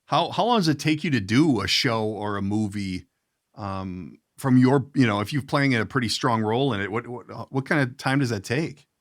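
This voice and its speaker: A man's voice: mid-range voice, normal speed. A man hosting a podcast, asking rambling, folksy questions in casual conversation. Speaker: podcast host, voice actor. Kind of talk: casual interview chat.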